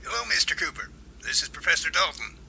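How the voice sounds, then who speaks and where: A man's voice: on the high side, expressive, quick pace, gravelly, sharp tone, husky, exaggerated voice, low-quality recording. A man playing a genial, folksy professor and researcher in an amateur audio drama. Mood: admiring. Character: genial, enthusiastic male professor and Bigfoot researcher.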